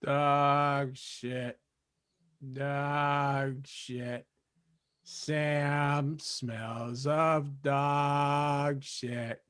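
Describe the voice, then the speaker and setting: One male actor as heckling wrestling crowd: crude repeated chant, flat, extremely slow, deadpan. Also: on the high side, clear, resonant tone. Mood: jeering.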